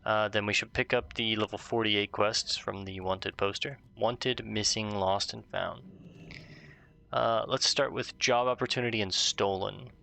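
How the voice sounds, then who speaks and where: Let's play host, male, laid-back, gravelly low voice with a bright edge. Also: steady tone, a little slow, a little hiss or hum. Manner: laid-back, reads quest text aloud. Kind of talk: casual gaming commentary.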